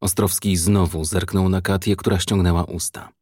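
Brief: husky crime audiobook narrator, man, dry and steady. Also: deep voice, moderate pace, no room sound. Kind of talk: audiobook reading of a crime novel.

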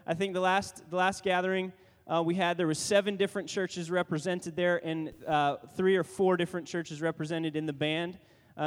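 A man making casual church announcements, joking and rambling with many restarts. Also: a little high. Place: church sanctuary. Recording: long reverb from a large church hall.

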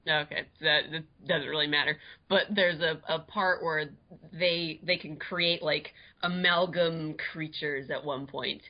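A woman's voice: sits low, steady tone, measured pace, dull audio. A woman co-hosting a podcast, chatty and often laughing. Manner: giggly, chatty. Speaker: podcast co-host. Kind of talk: casual podcast chat.

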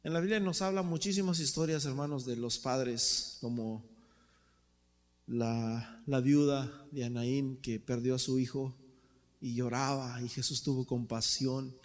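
Impassioned preacher in an echoing church. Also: male voice, medium pitch, steady tone, a little slow. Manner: impassioned storytelling, addresses the congregation directly. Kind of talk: sermon. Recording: echoey church hall.

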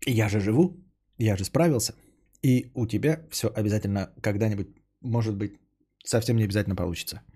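A young man with a husky, mellow voice hosts a casual podcast stream. He reads donations and rambles sarcastically, trailing off into mutters. His tone stays dark and breathy. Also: on the low side, fairly quick. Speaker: podcast host reading donations.

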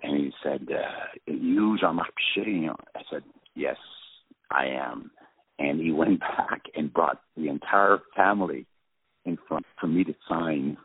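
A man with a French accent and an extremely low, gravelly voice tells stories in a halting, restarting way. His voice is husky and comes through a tinny, phone-like line. The sound is dry, with no room around it. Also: no room sound. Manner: halting, many restarts and fillers. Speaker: film director guest. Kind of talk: anecdotal interview chat.

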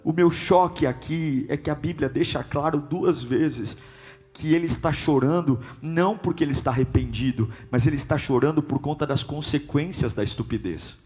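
Impassioned preacher, high voice. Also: male voice, normal speed, soft background music. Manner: impassioned, swinging from loud to hushed. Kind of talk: sermon.

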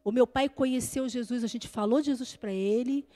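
A woman preaching an evangelical sermon. She moves from soft, reflective storytelling to loud, shouted praise. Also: on the high side, normal speed. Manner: acts out other people's voices in quotes.

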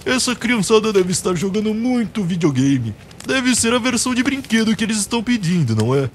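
Radio drama Santa, played by a man: old, crotchety, blustering, high voice over noticeable background noise. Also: big pitch swings, brisk. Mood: grumbling. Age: older. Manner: theatrical, blustering. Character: grumpy, foul-mouthed old Santa Claus.

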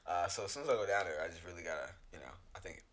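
A young man co-hosting a podcast in casual chat, laid-back and joking, his voice deeper than usual and often clearing his throat. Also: animated, very fast, fairly bright tone. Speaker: podcast co-host and therapist.

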